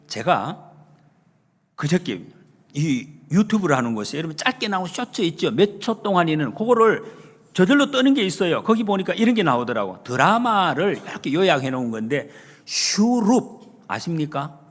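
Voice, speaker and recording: Husky-voiced Korean pastor preaching animatedly. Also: male voice, fairly high pitch, normal speed. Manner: animated preaching, rising to emphatic calls; retells scenes with acted quotes. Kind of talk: sermon. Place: church sanctuary. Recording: long hall reverb.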